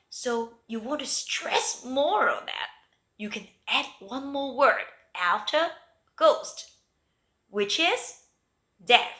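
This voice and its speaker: A woman teaches a bilingual language lesson at an unhurried pace, saying each example phrase twice. Her voice sits a little high and moves a lot, rising and falling as she explains. The recording carries a noticeable room echo. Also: bright, forceful tone. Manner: slow, clear teaching with repeated example phrases.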